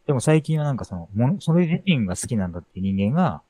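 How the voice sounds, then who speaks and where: A man sharing his views in casual conversation, quick and reflective. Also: mid-range voice, sing-song, mellow. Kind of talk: casual chat.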